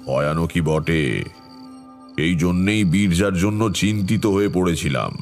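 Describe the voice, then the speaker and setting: A brooding tantric storyteller with an extremely low voice over music. He tells a horror audio drama in a grave, measured manner, like a caring friend with dark knowledge. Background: background music.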